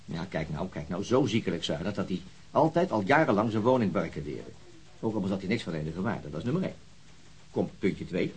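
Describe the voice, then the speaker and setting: Husky, weary police detective. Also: male voice, sits low, expressive, a little fast, exaggerated voice. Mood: dry, thoughtful. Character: weary, methodical male police detective, dryly persistent. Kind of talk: naturalistic radio drama dialogue.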